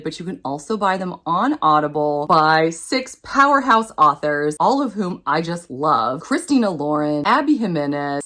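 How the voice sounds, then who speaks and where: A woman chatting casually as a video host about her reading plans, with an excitable, gushing and emphatic manner. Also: fairly low pitch. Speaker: book reviewer, video host.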